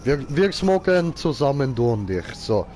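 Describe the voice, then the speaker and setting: A man's voice: mid-range voice, very animated, moderate pace, a little mellow, a little hiss or hum. A man giving casual live gaming commentary in clownish, slangy broken grammar, as a streamer. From Switzerland. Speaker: game streamer.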